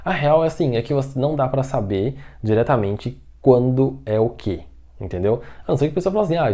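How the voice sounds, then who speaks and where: A man teaching an online language lesson. He patiently says each new word slowly and more than once, and keeps checking that the listener follows. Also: mid-range voice, mellow. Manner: patient, repeats words slowly and checks in often. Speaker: Mandarin teacher.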